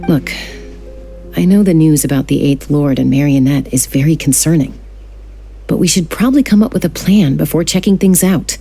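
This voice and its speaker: A woman playing a protective, wary female scout in a video game, speaking in a measured, serious, cautious way. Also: deep voice, warm tone, faint music behind. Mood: calm, decisive.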